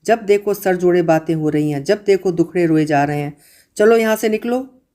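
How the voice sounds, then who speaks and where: A woman's voice: fairly low pitch, moderate pace, mellow, natural voice. A woman voicing a stern, fussy mother of the house who scolds the girls sharply. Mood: scolding.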